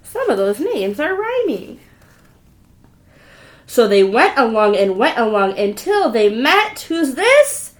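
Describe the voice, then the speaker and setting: A woman with a high, very animated voice reads a storybook to preschoolers as their teacher. She keeps pausing the tale to ask questions, repeat words and invite answers. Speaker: preschool teacher reading aloud. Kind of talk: interactive storybook read-aloud for young children.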